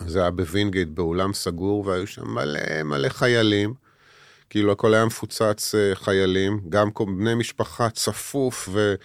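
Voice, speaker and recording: A man in his fifties talks in an interview, slowly and earnestly, stopping often to restart his sentences. His voice sits very low and sounds smooth and clear. The sound is dry and close. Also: no echo. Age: 50s. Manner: halting, many hesitations and restarts; earnest, heavy. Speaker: guest, author and army veteran. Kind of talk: personal interview talk.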